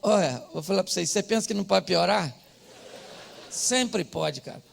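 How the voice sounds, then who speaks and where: A middle-aged Brazilian pastor telling a comic story in a sermon, dropping to murmured asides and rising to shouted punchlines. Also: male voice, sits high, lively intonation, normal speed, gravelly.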